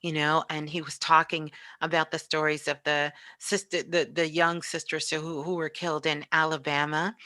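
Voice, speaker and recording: Low-voiced woman, bright and reflective. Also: little pitch movement, dry recording, clean studio sound. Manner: halting, repeats words as she reflects. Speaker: radio show host. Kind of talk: casual reminiscing chat.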